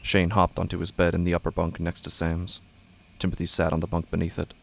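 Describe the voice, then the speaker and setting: Low, gravelly man narrating in an even tone. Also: brisk. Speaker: narrator of a horror audio drama. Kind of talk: scripted dramatic narration.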